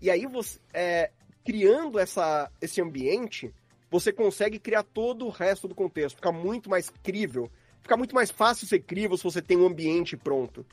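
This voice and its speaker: High-pitched Brazilian man, dry close sound. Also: expressive, moderate pace, dry recording, faint music behind. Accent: Brazilian Portuguese. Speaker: podcast guest, audio drama sound designer. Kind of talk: casual podcast conversation.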